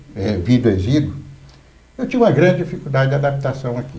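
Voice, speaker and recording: Amid audible room echo, a man with a fairly high pitch speaks with very wide pitch swings. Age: 60s. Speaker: former political prisoner, artist. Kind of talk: interview testimony.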